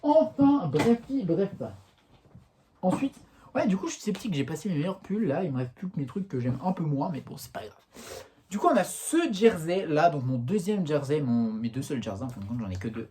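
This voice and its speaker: A young man talks his way through a casual vlog, chatty and full of slang, with lots of little fillers. His voice is mellow and warm, and his pitch jumps up and down as he talks. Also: big pitch swings, normal speed, slight background noise. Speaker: YouTuber. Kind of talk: casual vlog, showing off clothes.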